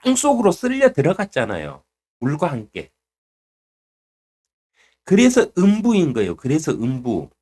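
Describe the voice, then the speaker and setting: Animated, blunt Bible-teaching man. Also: fairly high pitch. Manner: animated and blunt, colloquial with coarse words; acts out arguments in quick back-and-forth. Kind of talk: Bible study sermon.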